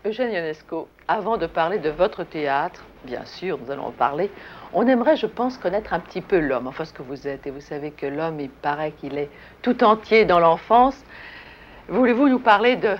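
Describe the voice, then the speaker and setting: A woman in her thirties with a fairly low voice conducts a television interview, calm and measured, pressing gently with follow-up questions. She sits on an indoor set made up as a sitting room. The recording is a dull, lo-fi 1960s broadcast with a faint hiss. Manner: measured, probing, follows up on answers.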